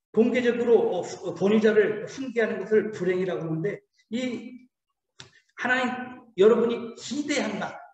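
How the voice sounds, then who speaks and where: A middle-aged male missionary preaching at a seminar, telling stories and acting out the dialogue with energy. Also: high-pitched. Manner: animated storyteller acting out dialogue. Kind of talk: seminar sermon with storytelling. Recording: distant mic in echoey hall, dull sound.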